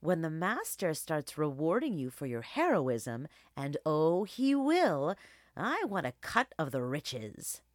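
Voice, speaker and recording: A woman's voice: sits low, very animated, slow, dry recording, studio quality, full character voice. A woman voicing a sly, mischievous aging female wolf in a children's storybook, teasing and persuasive. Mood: coaxing, theatrical.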